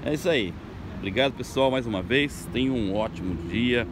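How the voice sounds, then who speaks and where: A mid-range male voice moves fairly quickly as a local tour guide from Brazil narrates a casual vlog beside traffic. Chatty and upbeat, he speaks directly to viewers from a beach boardwalk at sunrise, on an outdoor phone recording with traffic noise.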